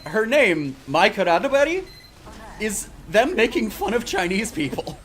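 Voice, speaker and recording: A man's voice: high-pitched, big pitch swings, a little slow, a bit bright. A man in casual voice chat while gaming, joking and teasing. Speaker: gamer chatting while playing.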